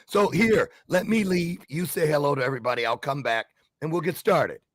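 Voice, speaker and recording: A man's voice: a little high, fairly quick, a bit bright, dry recording. Chatty, playful male talk show host. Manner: chatty, upbeat, playful showman. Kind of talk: casual live online show chat.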